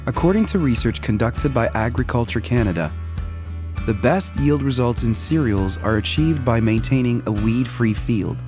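A man giving scripted commercial and explainer narration as a voice-over artist, in a clear, measured announcer delivery. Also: medium pitch, lively intonation, music in the background.

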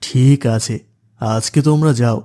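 A man voicing a calm, instructive male religious teacher in a cartoon. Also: medium pitch, measured pace, lightly acted.

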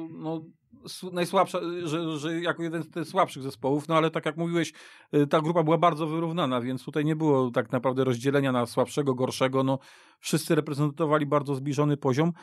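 A man discussing football as a guest pundit on a radio podcast, haltingly, repeating and restarting words. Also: fairly high pitch, no echo, clean studio sound. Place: radio studio.

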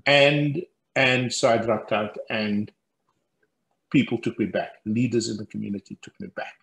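A man, a professor telling stories on a video call from a room at home. He talks in an animated, anecdotal way, laughing often. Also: medium pitch, moderate pace, creaky, rough recording. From South Africa. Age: 60s. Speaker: guest speaker, professor. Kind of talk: storytelling interview on a video call. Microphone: headset on a video call.

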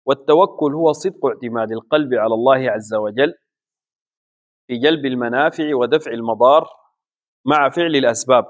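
Male scholar, mid-range voice, unhurried measured delivery for a recorded lesson. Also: medium pitch, muffled recording. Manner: slow deliberate explanation with pauses. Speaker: Islamic scholar teaching a book.

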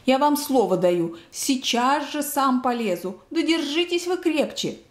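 Casting: woman playing a frightened pale man, imploring, higher voice, roomy echo. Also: animated, measured pace. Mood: pleading. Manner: pleading, imploring.

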